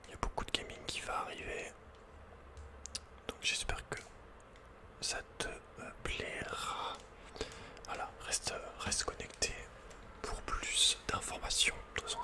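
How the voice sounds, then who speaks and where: A man with a French accent whispering casual, intimate ASMR video game commentary in a breathy, unvoiced voice, speaking informally to the listener. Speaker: ASMR gaming host.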